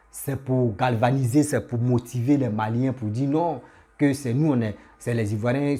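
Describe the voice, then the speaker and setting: A man's voice: medium pitch, mellow. A man who has a cold, giving a casual, insistent political rant that scolds his listeners. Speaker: political commentator.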